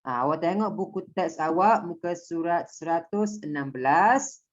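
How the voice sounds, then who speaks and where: With a Malaysian Malay accent, this woman teaches primary school Malay in an online class, checking her pupils' understanding as she explains each step. She speaks at a moderate pace in a fairly low voice, and the recording's highs are cut off.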